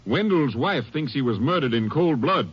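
An actor playing a steady, skeptical American Ranger captain, firm and businesslike, in a 1950s radio drama. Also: male voice, mid-range voice, normal speed, slightly rough. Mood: businesslike, probing. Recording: muffled, noisy old radio recording.

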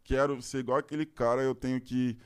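A man's voice: mid-range voice, level tone, a little fast, clean tone. A man with a Brazilian accent telling a long personal story in casual podcast chat, rambling and full of slangy filler words. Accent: Brazilian Portuguese.

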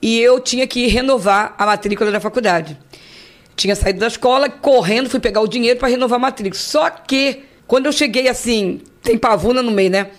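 A woman's voice: on the high side, fairly quick. A woman in her fifties with a Rio de Janeiro accent, a podcast guest telling a long personal story in casual chat, acting out the voices she quotes and repeating words for effect. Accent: Rio de Janeiro Portuguese. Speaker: guest, host's mother.

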